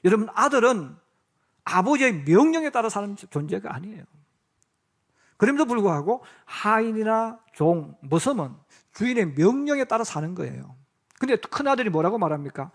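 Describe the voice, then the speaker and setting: High-voiced male pastor preaching. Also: big pitch swings, moderate pace. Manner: asks the congregation questions and answers them himself; addresses the listeners directly and often. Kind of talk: sermon. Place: church sanctuary.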